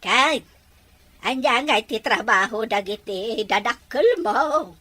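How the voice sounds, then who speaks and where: A woman acts out a doting, fretful older Filipino mother in an audio drama. Her voice is high and swooping, and she takes her time, drawing out exclamations with a Filipino accent. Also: expressive, slow pace, pushed and bright, exaggerated voice. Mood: warm, welcoming. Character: old grandmother or mother, warm, doting, fretful. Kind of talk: Ilocano audio drama acting.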